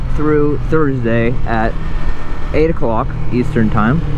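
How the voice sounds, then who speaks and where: Noticeable background noise surrounds a man speaking with ordinary pitch variation in a dry recording with no echo. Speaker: motovlogger. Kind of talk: casual vlog chat. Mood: upbeat, playful. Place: motorbike. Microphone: helmet.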